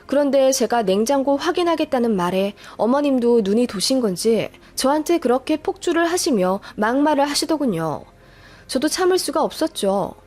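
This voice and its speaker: A woman's voice: sits high, sing-song, normal speed, darkish tone. A woman narrating a first-person family story in an emotional, confessional way.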